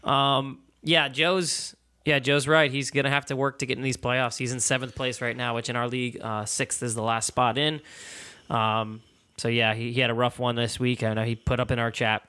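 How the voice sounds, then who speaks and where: A man's voice: mid-range voice, little pitch movement, moderate pace, pushed and bright, smooth. A man co-hosting a podcast, giving casual, conversational sports commentary. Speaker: podcast co-host.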